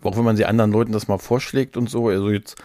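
A man in a casual chat as a podcast co-host, talking haltingly, often repeating words and adding tag questions. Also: fairly low pitch, little pitch movement, warm tone, no room sound, studio quality. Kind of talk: casual chat about audio dramas.

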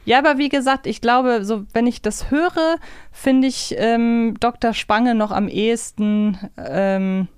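Clear-voiced woman in casual podcast chat. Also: fairly high pitch, a little slow, no echo, clean studio sound. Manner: reflective, hedging, thinking aloud with self-corrections. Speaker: podcast co-host.

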